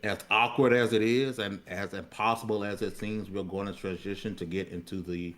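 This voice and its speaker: Low-voiced American man, casual podcast host. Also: fairly even intonation, moderate pace, fairly bright tone. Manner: colloquial, repeats words while searching for phrasing. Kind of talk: casual unscripted talk.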